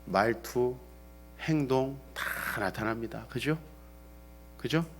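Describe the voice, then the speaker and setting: A middle-aged man preaching a sermon as pastor, acting out bits of dialogue and moving between loud and hushed passages. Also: medium pitch, slow, soft background music.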